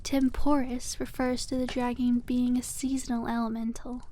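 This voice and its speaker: Woman playing a high-voiced cute witch shopkeeper, soft-spoken. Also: level tone, moderate pace, a little hiss or hum, lightly acted. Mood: enthusiastic, informative. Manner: gentle sales patter, quaint polite wording. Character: cute, cheerful young witch keeping a dragon egg shop. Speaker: ASMR roleplay performer. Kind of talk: soft-spoken ASMR roleplay, one-sided conversation with a customer.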